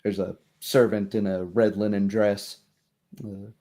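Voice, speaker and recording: A man running a tabletop roleplaying game, describing scenes in a halting, improvised way. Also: fairly low pitch, level tone, warm tone. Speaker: game master.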